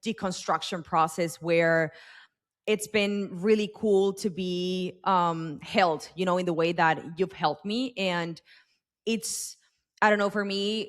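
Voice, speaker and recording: Chatty woman host, lots of fillers. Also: on the low side. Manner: rambling, heavy use of fillers. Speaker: podcast host. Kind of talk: casual interview chat.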